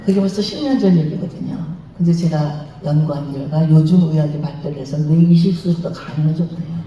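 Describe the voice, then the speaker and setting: Brief: a woman guest speaker at a church revival, warm dark tone, teaching with lively acted-out examples, recorded from a distance in a very roomy hall. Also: sits low, slight background noise. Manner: lively teaching, acts out dialogues and has the congregation repeat phrases. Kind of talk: lecture-style sermon on marriage. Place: large church worship hall. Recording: dull, very echoey hall, mic at a distance.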